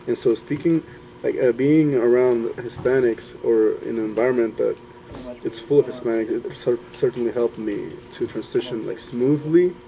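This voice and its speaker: A man's voice: medium pitch, moderate pace, vocal fry, warm tone, slight background noise, rough recording. Reflective young man from Honduras. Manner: thoughtful, hesitant with fillers and restarts. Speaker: student interviewee. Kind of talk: personal testimony.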